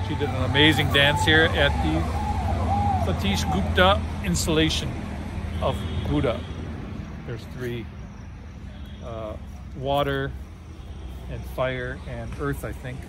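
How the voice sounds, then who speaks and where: With long, frequent pauses, a man speaks fairly slowly over loud background noise. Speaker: travel vlogger. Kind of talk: casual vlog chat. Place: garden. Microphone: phone near.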